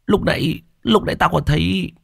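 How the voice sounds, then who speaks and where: A man voicing a jittery, easily scared young male thief, shrill and stammering. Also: moderate pace, gravelly, husky, no room sound, studio quality, exaggerated voice. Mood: panicked.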